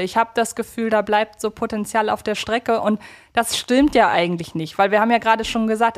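A woman co-hosting a podcast, speaking conversationally and reflectively, often qualifying her own opinions. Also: medium pitch. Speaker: podcast co-host.

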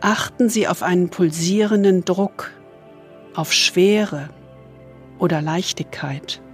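A woman leads a guided meditation in a soft, soothing spa manner, leaving long pauses and trailing into breathiness. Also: lowish voice, faint music behind. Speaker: host guiding a relaxation exercise.

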